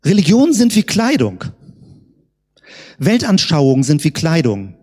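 A woman preaching a sermon, asking rhetorical questions and slowing down to stress key words. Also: low-pitched, wildly swooping pitch, darkish tone, husky. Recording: long hall reverb.

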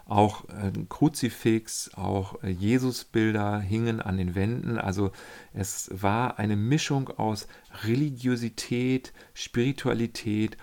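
A man with a low, gravelly voice speaks in a casual, reflective way about his pilgrimage. He often pauses with fillers and searches for the right words. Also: steady tone, darkish tone. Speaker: pilgrim telling of his journey. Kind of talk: casual spoken travel account.

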